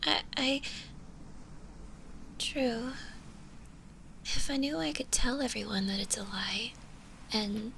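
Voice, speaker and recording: A woman playing a shy, gentle, lovestruck zombie girl in an intimate ASMR roleplay, speaking hesitantly and tenderly. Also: on the high side, slow, creaky, pauses often, a little hiss or hum, exaggerated voice. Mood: unsure, shy.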